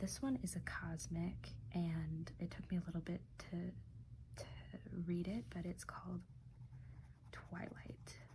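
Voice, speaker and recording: Soft-spoken and fairly slow, the voice breaks up its speech with long, frequent pauses. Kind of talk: ASMR soft-spoken crayon swatching.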